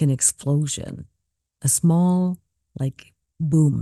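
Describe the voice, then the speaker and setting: With a northern Ontario accent, the voice has a dark, mellow, warm tone and ordinary pitch variation. The sound is dry and close with no echo, over a quiet background. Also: woman. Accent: Canadian English, northern Ontario. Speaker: podcast host and spiritual medium. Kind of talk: ghost story telling, personal storytelling. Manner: warm, conversational, suspenseful storyteller.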